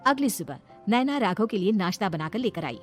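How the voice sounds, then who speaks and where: A woman narrating a cartoon moral story in a steady, plain storytelling manner. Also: medium pitch, brisk, soft background music.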